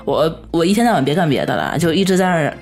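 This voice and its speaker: A woman's voice: low voice, big pitch swings, fast, a little mellow. A woman with a Beijing accent in casual chat, making her points emphatically with playful complaint. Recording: music bed behind the talk.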